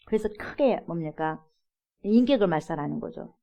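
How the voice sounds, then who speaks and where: A woman pastor giving an early-morning prayer sermon in a church, animated, acting out quoted voices and laughing often. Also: fairly low pitch, normal speed, lo-fi sound.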